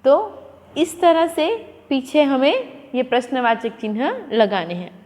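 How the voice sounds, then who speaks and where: A woman's voice: high-pitched, very animated, slow, a little mellow. A woman teaching a school lesson to children, explaining patiently and mixing Hindi with English words. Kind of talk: classroom lesson. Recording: long echoing reverb.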